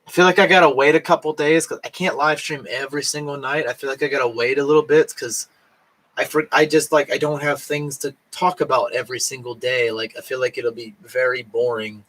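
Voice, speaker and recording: A drunk man talking on a late-night live stream from home in Japan, rambling and halting, with lots of fillers and restarts and a voice that is starting to go hoarse. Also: medium pitch, fairly even intonation, a bit bright, poor audio. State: voice going hoarse.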